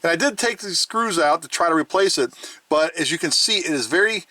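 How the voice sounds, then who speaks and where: A man with a high, bright voice chats casually as the host of a toy review. His delivery swings up and down with playful enthusiasm, as if showing things off to a friend. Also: animated, brisk, dry recording. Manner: enthusiastic, chatty, playful joking. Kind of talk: casual review chat to camera.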